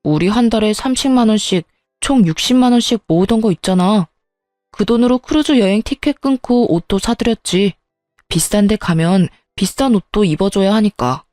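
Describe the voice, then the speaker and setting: A woman's voice: medium pitch, moderate pace, a little mellow, dry recording, clean studio sound, faint music behind, natural voice. A woman reading the lines of an arrogant, belittling husband in a spoken story. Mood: smug. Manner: smug and belittling. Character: arrogant, dismissive married man. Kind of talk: storytelling with voiced dialogue.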